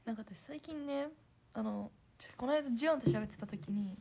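Woman from aichi chatting on a stream, slightly high voice, lively, laughs a lot, faint room noise. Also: fairly quick, gravelly. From Aichi, Japan. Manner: lively, laughs often, drifts into mock Kansai phrasing. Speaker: idol livestreamer. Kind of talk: casual chat.

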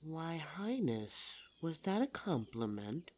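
A performer voicing a suave, teasing demon lover in an intimate ASMR roleplay audio drama, smooth-talking and formal in address. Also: medium pitch, sing-song, takes it slowly, darkish tone. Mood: teasing, smug.

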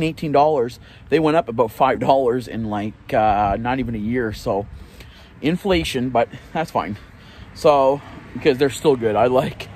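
The vlogger, a man in his thirties, has a mid-range, slightly mellow voice, and there's a little background noise. He rambles casually to his phone camera at arm's length for a daily vlog, laughing softly as he corrects himself, both by a parking lot outdoors and seated in an armchair inside.

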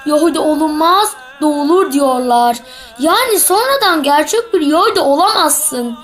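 A woman's voice: high voice, expressive, moderate pace, faint music behind. A woman voicing a witty, cheeky cartoon schoolboy who explains things with confidence in a childlike voice. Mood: earnest, explaining. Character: witty, cheeky schoolboy, pious know-it-all with a ready answer. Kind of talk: scripted comic cartoon dialogue.

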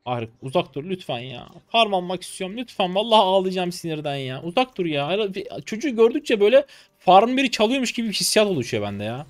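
A man in his twenties commentating his own gameplay live, excitable and swearing casually as he talks to viewers. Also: high voice, fast talker. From Turkey. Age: 20s. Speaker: game streamer.

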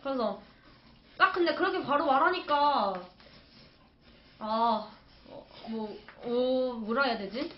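A woman's voice: high-pitched, slow, pauses often, slight background noise. A young woman chatting casually on a livestream, rambling through a personal story with lots of fillers. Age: young adult. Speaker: streamer's partner, guest. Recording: echoey lo-fi room sound.

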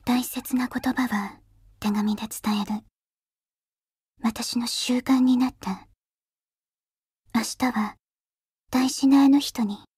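A woman delivers soft scripted narration for an advertisement. Her voice is very breathy and husky, and she reads slowly, close up in a dry recording. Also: a little high, fairly even intonation, no room sound. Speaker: voice actor.

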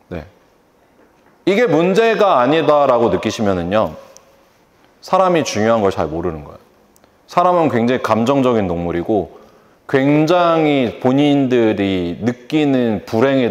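A man in his forties lectures a large audience in a big hall, his voice ringing with long reverb. His pitch rises and falls in lively swings as he acts out customer and staff dialogue and keeps asking the hall questions. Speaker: hair salon owner and lecturer. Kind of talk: public lecture to a live audience.

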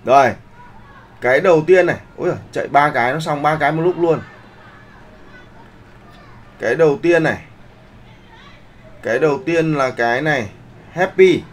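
A man's voice: on the high side, moderate pace, pauses often, slight background noise. A man teaching a live online class, often checking that the students follow along. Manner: keeps checking in with the class, polite particles. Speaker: online art instructor.

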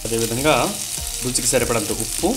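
A man's voice: medium pitch, brisk, noisy background. A man narrating a cooking recipe step by step, addressing viewers directly in an instructional way. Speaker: host of a cooking channel.

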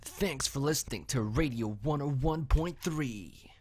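Breathy radio sweeper announcer, a man putting it on. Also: medium pitch, unhurried, darkish tone, no echo. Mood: announcing. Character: epic radio station announcer, male.

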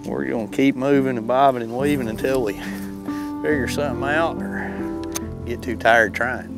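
A man's voice: medium pitch, steady tone, moderate pace, music in the background. A middle-aged man hosting a fishing show, giving casual, conversational commentary in a folksy way.

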